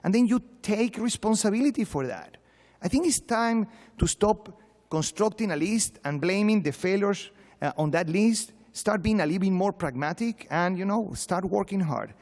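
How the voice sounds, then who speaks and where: A man with a Venezuelan Spanish accent speaks in a fairly high voice, recorded in a hall with long reverb. He talks like a professor addressing a conference, informal and humorous, urging his point with repeated words and rhetorical questions. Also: animated, normal speed, darkish tone.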